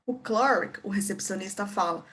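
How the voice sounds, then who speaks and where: A woman's voice: medium pitch, moderate pace, fairly bright tone. A woman with a Brazilian Portuguese accent teaching an English lesson, patiently repeating words and checking in with her students.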